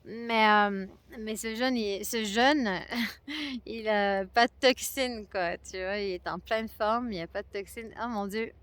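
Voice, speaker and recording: A woman's voice: medium pitch, a bit bright, smooth, no echo. A woman from France and Quebec with a Québécois French accent, hesitantly talking through a personal experience to camera outdoors. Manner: hesitant, many pauses and fillers. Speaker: vlogger sharing a fasting experience. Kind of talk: reflective personal talk to camera. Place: outdoors at a spot near hummingbirds.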